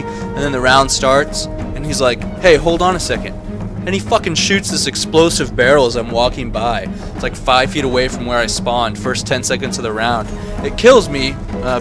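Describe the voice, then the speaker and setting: Guy doing sweary gamer commentary, kinda aggrieved rant, medium pitch, music playing behind him. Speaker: gaming commentator. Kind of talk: casual gameplay commentary with frequent swearing.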